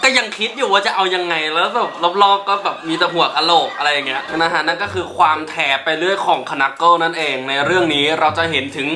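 A man talks as a casual online host, dropping English words into his commentary. His voice sits in a roomy echo, with music clearly playing behind him. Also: a little high, fast, hardly any pauses, sharp tone. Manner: mixes English words into Thai. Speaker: YouTube host counting down favourite cartoons. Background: background music.

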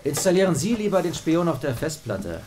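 A man's voice: on the high side, big pitch swings, a little fast. A man playing a cocky, crude, flirtatious covert agent in an audio drama. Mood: cocky, teasing. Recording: loud background noise and clicks.

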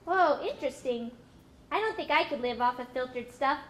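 A woman's voice: high-pitched, moderate pace. A woman doing a curious young whale. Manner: wide-eyed, chatty and excitable. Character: curious hungry young female sperm whale. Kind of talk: live puppet show.

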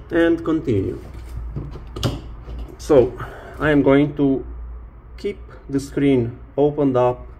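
Very slow-paced man giving repair instructions. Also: medium pitch, dark tone, slight background noise. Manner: halting short phrases, step-by-step. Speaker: phone repair tutorial presenter. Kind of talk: hands-on instructional demonstration.

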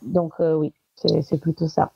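Low-voiced woman, dull dry recording. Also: flat delivery, unhurried, gravelly, dark tone, slightly rough, no echo. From Italy. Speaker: podcast guest, teacher. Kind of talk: personal testimony in conversation.

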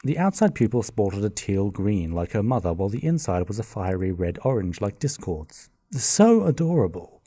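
A man narrating a fan radio drama in a plain, steady storybook manner. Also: on the low side, moderate pace, few pauses, husky, no room sound.

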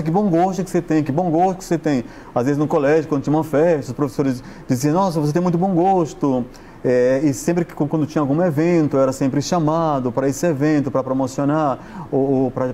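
A man's voice: on the high side, dark tone, a little hiss or hum. A man in his forties, a fashion stylist guest, chatting on a TV studio set with a lapel mic, talking with his hands and tagging his sentences with questions. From Brazil. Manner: chatty, gesturing, frequent tag questions. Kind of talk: casual interview chat. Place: TV studio set, seated on sofa.

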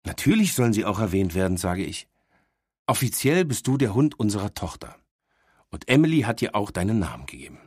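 A man's voice: lowish voice, very animated, brisk, darkish tone, slightly rough, no echo, studio quality. A man narrating an audiobook in the first person, wry and exasperated.

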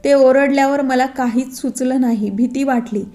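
A woman voicing a shy, timid middle-aged housewife who speaks in a halting, hesitant way. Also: sits high, steady tone, mellow, close to an everyday voice.

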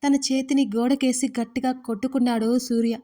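A woman storyteller giving a steady, measured scripted narration of an audio story. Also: high-pitched.

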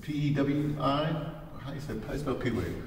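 A middle-aged man talks to a workshop in a very echoey, bare classroom, picked up from a distance. His pitch is average and his explanations are folksy and rambling, with faint noise in the recording. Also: animated, normal speed. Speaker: workshop leader, producer. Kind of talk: informal teaching talk. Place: large bare classroom, indoors. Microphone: camera a few metres away.

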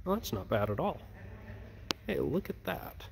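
A man's voice: very animated, moderate pace, vocal fry, background noise. Man casually commenting on a flight. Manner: low-key, chatty running remarks. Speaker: model plane flyer. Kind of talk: casual commentary while flying. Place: large indoor gym.

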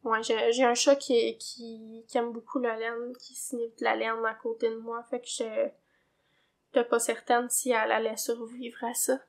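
A woman with a Québécois French accent, hosting a knitting podcast in a relaxed, chatty way with lots of fillers. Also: on the high side, unhurried. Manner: chatty, many fillers and hedging tags. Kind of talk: casual chat. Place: home, indoors.

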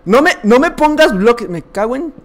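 Excitable young Mexican man with a high voice. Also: moderate pace. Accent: Mexican Spanish. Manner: excitable and chatty, repeats phrases and laughs often. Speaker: gaming YouTuber. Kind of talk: live gameplay commentary.

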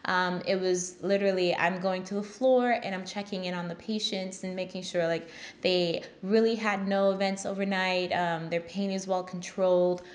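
A young woman from Trinidad with a Trinidadian accent, telling a story straight to camera in a small room, animated and full of ums and likes. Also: on the low side, moderate pace. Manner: animated, gestures a lot, many ums and likes. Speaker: physician assistant vlogger. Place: small indoor room, plain grey backdrop.

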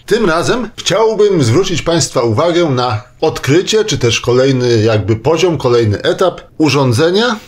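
A man's voice: fairly high pitch, expressive, a little slow, few pauses. Man giving a discursive spoken column. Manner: discursive, hedging, with tag questions. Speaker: science columnist on a radio show. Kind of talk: spoken popular-science essay, semi-improvised.

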